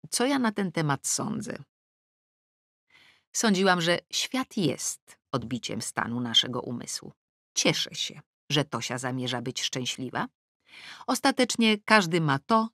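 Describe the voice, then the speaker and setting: A woman's voice: deep voice, fairly bright tone, no echo. A woman reading a novel aloud in the first person, with a wry, dryly ironic storytelling manner, recorded close in a studio. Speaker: audiobook narrator.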